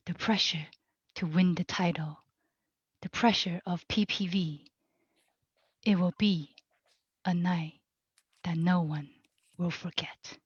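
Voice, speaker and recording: Woman, scripted narration, whispery and very husky, lower register, lo-fi muffled recording. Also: fairly even intonation, takes it slowly, pauses often, dry recording. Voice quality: breathy, whispery. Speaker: stage directions narrator. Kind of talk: scripted narration, reading stage directions. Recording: dull, lo-fi, dry audio.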